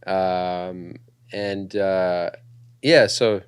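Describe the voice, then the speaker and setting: A man's voice: deep voice, drawn-out words, clear, resonant tone, dry recording. A young man from South Africa with a South African accent, telling his story as a guest in a casual podcast interview, with lots of fillers. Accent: South African with New Zealand influence. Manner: relaxed storytelling with frequent fillers.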